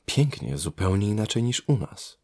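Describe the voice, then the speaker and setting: A man's voice: fairly low pitch, big pitch swings, normal speed, a little mellow, pitched above the performer's own voice. A man voicing a curious, enchanted young maiden in a storybook audio tale, wondering and inquisitive.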